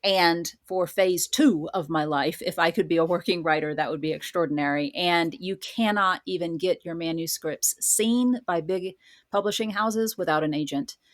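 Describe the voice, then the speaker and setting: A woman's voice: fairly low pitch, moderate pace. A woman speaking conversationally as a guest author in a podcast interview.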